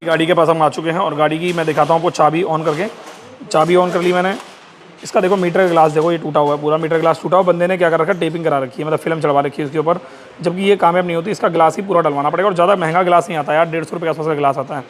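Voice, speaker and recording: A man who runs a motorcycle workshop, explaining a bike's faults in a quick, informal way and repeating points as he shows each part. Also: a little high, steady tone, faint music behind. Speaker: motorcycle mechanic and channel host. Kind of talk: casual workshop walkthrough.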